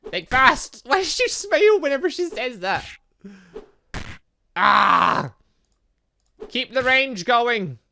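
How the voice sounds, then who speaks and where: A man hosting a gaming video, giving excitable, exclamatory let's play commentary with muttered asides and game text read aloud. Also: extremely high pitch, takes it slowly, gravelly, long pauses, slight background noise.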